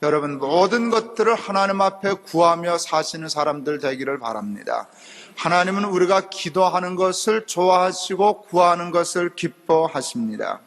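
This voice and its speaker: Pastor preaching in an echoing hall. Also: male voice, animated, normal speed, a bit bright. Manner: conversational storytelling, acts out quotes in a low voice. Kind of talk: sermon. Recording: long reverb of a church hall.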